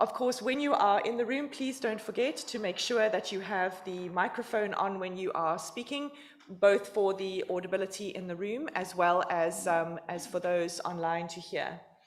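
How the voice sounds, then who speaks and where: Over noticeable background noise, a woman speaks at a moderate pace in a medium pitch with ordinary pitch variation. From South Africa. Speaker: association president chairing a meeting. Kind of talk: formal meeting chairing. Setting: meeting room with hybrid Zoom participants. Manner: hesitant, many fillers.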